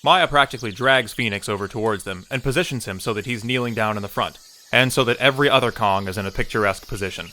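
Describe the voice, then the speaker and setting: A wry audio drama narrator played by a man with a bright, forward voice at middle pitch. He tells the scene like a storybook, over faint background noise. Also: fast, lightly acted. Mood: wry, descriptive.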